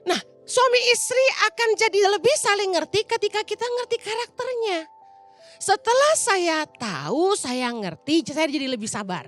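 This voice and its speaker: A woman's voice: extremely high pitch, sing-song, moderate pace, a bit bright, faint music behind. A middle-aged woman pastor, preaching a chatty storytelling sermon and acting out voices. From Indonesia. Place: church auditorium.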